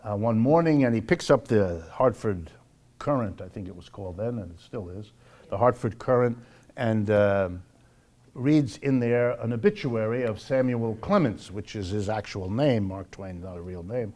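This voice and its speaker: A man with an American accent lecturing off the cuff to a live audience, wry and emphatic, slowing for dramatic weight. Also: fairly low pitch, a little mellow. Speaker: lecturer hosting a monthly public talk.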